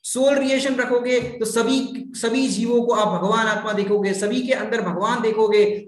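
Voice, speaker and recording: A man's voice: high-pitched, fairly bright tone. A man giving a religious discourse, explaining with homely examples and rhetorical questions. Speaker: spiritual teacher. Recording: echoey hall.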